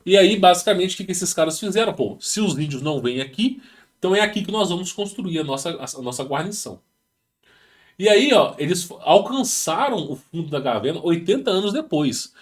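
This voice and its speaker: A man's voice: sits high, animated, brisk. A man with a Brazilian Portuguese accent hosting his channel, reading a text aloud and breaking off into rambling, slangy asides with many restarts. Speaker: channel host. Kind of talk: casual talk reading and commenting on a text. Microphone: home setup with rural internet.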